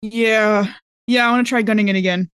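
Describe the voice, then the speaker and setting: A woman's voice: medium pitch, fairly even intonation, fairly quick, a bit bright, smooth, no room sound. A woman playing a tabletop game, thinking through her moves aloud in casual chat.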